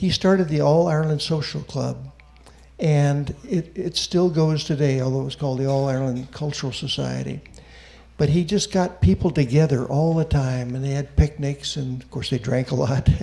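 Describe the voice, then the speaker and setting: A man with an American accent, a dark, mellow tone and a fairly high pitch, somewhat breathy, at a moderate pace with ordinary pitch variation. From US Northwest, Portland, Oregon. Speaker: church member. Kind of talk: testimony. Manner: halting.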